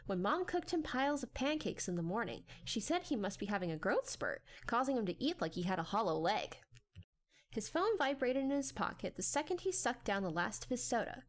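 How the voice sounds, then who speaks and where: A woman's voice: a little high, very animated, a little fast. A woman narrating a story as a dramatic audiobook reading.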